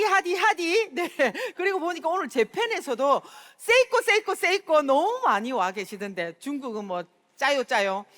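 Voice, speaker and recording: Lively woman with a Busan accent. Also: high-pitched. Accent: Busan dialect of Korean. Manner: chatty and storytelling, often calling out to the audience. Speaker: speaker at a sales seminar. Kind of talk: motivational seminar talk. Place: large hall. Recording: reverberant hall, stage mic.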